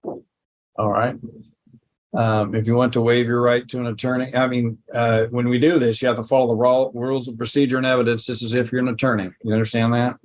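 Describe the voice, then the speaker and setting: Guy judge running a hearing, courtroom recording, medium pitch, short procedural questions. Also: flat delivery, a little fast. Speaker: judge presiding over a hearing.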